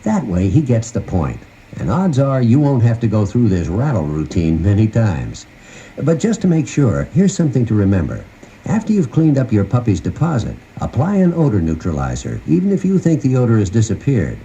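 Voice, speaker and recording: A mellow, warm-voiced man narrates an instructional guide in a folksy, conversational way. His delivery is lively and varied in pitch, as if chatting with the listener. It comes from a 1990 cassette tape with faint noise underneath. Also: moderate pace, lo-fi sound. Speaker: host of a puppy training guide tape.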